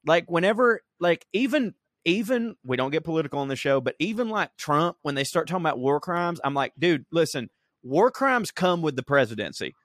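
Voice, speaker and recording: A man's voice: a little high, very animated, brisk, a bit bright, dry recording, studio quality. A man co-hosting a podcast, chatting casually in a rambling, profane, joking way. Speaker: podcast co-host. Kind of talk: casual comedic chat. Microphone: remote recording.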